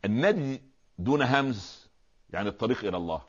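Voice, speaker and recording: A man with an Egyptian Arabic accent, a preacher explaining religious words in a lively talk-show conversation, often asking rhetorical questions. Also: medium pitch, fast talker, slightly rough, highs cut off. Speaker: Islamic preacher, guest scholar.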